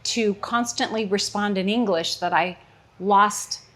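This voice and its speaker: A woman's voice: mid-range voice, a little slow, fairly bright tone. A middle-aged woman from Chicago with a Chicago accent, hosting a casual, joking chat as a comedian. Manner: joking, playful banter. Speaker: comedian host.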